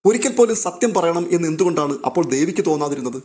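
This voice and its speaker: A man's voice: on the high side, expressive, racing, a little mellow, close to an everyday voice. A man voicing a guilt-ridden young husband and elder brother, speaking with remorse. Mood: remorseful. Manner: pleading, remorseful.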